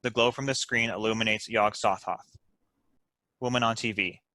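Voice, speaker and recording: Bright-voiced man reading stage directions. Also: fairly low pitch, steady tone, normal speed, no room sound. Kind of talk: scripted narration for a comedy table read.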